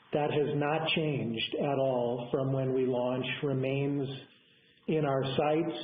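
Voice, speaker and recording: A man, a company executive, giving a semi-scripted business briefing to investors in a halting way, often correcting himself mid-phrase. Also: mid-range voice. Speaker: company executive on an earnings call. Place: conference call over phone. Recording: echoey, band-limited conference phone line.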